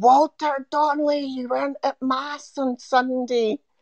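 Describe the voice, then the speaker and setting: In a put-on character voice, a female-sounding speaker shouts at a high pitch and a fairly slow pace. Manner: shouting.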